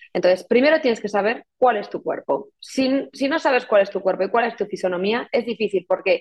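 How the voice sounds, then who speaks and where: Using a plain, everyday voice, a woman talks at a fairly quick pace, her pitch fairly high and her intonation lively. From Galicia, Spain. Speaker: fashion stylist. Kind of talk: interview.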